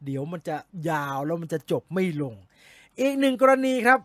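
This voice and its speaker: A man hosting a casual movie news recap, chatty and given to sudden excited exclamations. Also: a little high, brisk, no room sound. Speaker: movie news show host.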